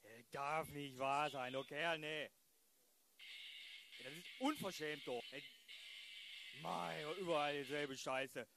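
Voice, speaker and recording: Audio drama driver, man acting: grumbling working man, colloquial and fed up, slow-paced delivery. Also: on the high side, steady tone, creaky. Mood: exasperated. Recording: faint background noise, ambience.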